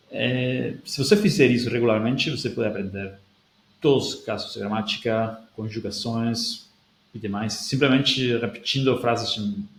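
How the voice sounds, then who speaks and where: Casting: male host with a gravelly voice and a non-native Portuguese accent, thinks aloud with restarts, recorded in an echoey room. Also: medium pitch. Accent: non-native speaker of Portuguese, European Portuguese leaning. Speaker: language-learning video host. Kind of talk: casual talk, reading out and answering a viewer comment. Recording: echoey room with faint background noise.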